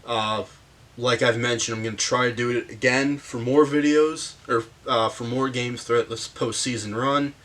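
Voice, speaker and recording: A man with a sick, hoarse voice hosting a casual hockey game breakdown, halting with frequent fillers and pauses. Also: mid-range voice, steady tone, a bit bright. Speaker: hockey commentary host. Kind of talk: casual sports breakdown monologue.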